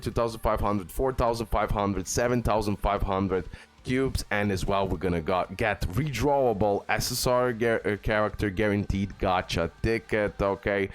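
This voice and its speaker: A man hosting a gaming video, giving casual, informal guide commentary peppered with bro and okay. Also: sits low.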